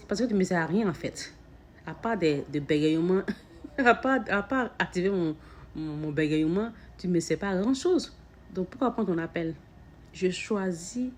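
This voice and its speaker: A woman with a somewhat low voice gives an earnest, reflective self-help talk as a mother addressing her listeners. She stutters often, doubling words and restarting phrases. A faint background hum sits under her voice. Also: darkish tone. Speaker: mother sharing personal reflections.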